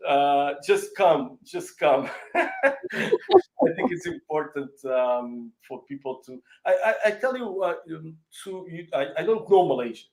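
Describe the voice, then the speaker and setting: Slow, gravelly Portuguese-accented man. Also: fairly high pitch, sing-song, a little mellow. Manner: halting, searching for words, frequent fillers and restarts. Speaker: real estate company country head. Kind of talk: casual interview chat. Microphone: video call.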